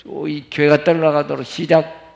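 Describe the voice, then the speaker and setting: A man leading a church family prayer meeting, coaxing and commanding the children to call out louder. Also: a little high, flat delivery, normal speed, gravelly. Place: church sanctuary.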